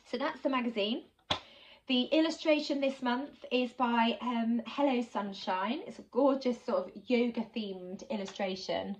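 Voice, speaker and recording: A woman talks in a chatty, enthusiastic way, full of little ums, with a bit of a sniffly cold in her voice. Her voice sits a little high. The recording sounds slightly dull and lo-fi. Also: a little hiss or hum. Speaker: sewing vlogger. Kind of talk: casual unboxing chat.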